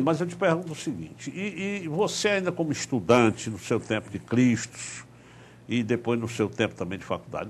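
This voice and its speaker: A man's voice: mid-range voice, a little hiss or hum. A man hosting a conversational interview, attentively agreeing as he goes. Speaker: TV interview host.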